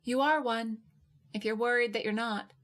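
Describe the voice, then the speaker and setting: Female narrator as tipsy, heartbroken woman in literary audiobook; raised pitch, playful, insistent, blunt. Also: moderate pace, close to an everyday voice. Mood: frank. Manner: higher, animated, insistent.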